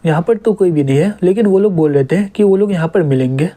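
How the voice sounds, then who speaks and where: A man's voice: high-pitched, quick pace, dark tone, lightly acted. A man voicing an easygoing, decent young hero in a manga recap, speaking in a casual, reassuring way. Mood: calm.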